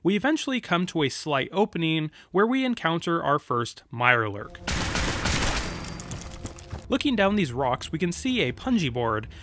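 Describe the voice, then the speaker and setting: A man reading scripted narration about video game lore, with deliberate, dramatic emphasis. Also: fairly high pitch, sing-song, a bit bright.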